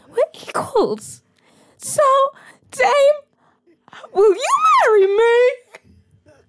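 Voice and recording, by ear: A woman puts on a husky character voice with an extremely high pitch. She talks very slowly, with long, frequent pauses.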